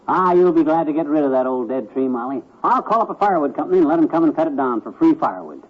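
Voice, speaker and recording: An actor playing a blustering, grumbling middle-aged husband in a vintage radio comedy. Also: male voice, a little high, lively intonation, fast talker. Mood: blustery. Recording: muffled vintage radio recording.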